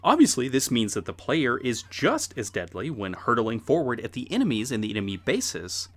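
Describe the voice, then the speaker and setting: Very animated man narrating a retro game explainer. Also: mid-range voice. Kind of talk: scripted informative narration.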